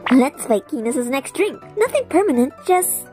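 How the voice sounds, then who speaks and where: A woman's voice: sits high, big pitch swings, moderate pace, warm tone, faint music behind. A woman voicing a sweet, mischievous anime girl in an amateur comic dub.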